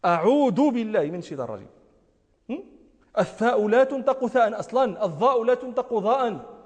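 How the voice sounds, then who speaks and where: A man's voice: very high voice, animated, fast, a little mellow, slightly rough. Man, religious scholar, lecture, emphatic, rhetorical questions, long hall echo. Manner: emphatic, repeats phrases, asks rhetorical questions. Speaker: religious scholar teaching a lesson. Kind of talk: lecture on recitation and jurisprudence.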